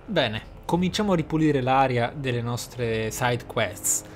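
Unhurried and lively in intonation, this medium-pitched male gaming host narrates gameplay casually but dramatically, piling on flowery language and exclamations while game music plays beneath him.

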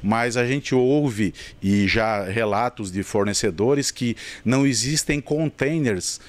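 A man's voice: mid-range voice, takes it slowly. A man in his fifties, a pharmacist, explains supply problems into a handheld mic, talking in a conversational way and ticking items off a list. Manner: conversational, listing items, tags with sabe. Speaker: municipal pharmacist. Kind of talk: news interview answer. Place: storeroom of a pharmaceutical depot, indoors. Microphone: handheld reporter mic.

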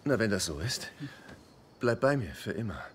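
Needy, animated sitcom loser. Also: male voice, on the low side, moderate pace, a little hiss or hum. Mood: pleading. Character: hapless divorced man, needy, whiny, self-mocking lover. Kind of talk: German sitcom dub.

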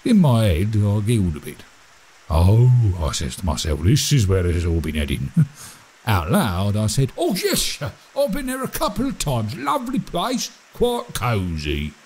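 An actor playing a chatty, cagey British servant in an audio drama, speaking in a halting, colloquial, animated way. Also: male voice, lowish voice, slight background noise. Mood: confiding, then fawning. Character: chatty, cagey servant man, obsequious yet scheming. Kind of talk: audio drama monologue and dialogue.

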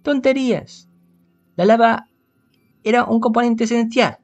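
Man putting on a high-pitched flustered woman scientist. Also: measured pace, faint music behind. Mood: indignant. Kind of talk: improvised visual novel character voice.

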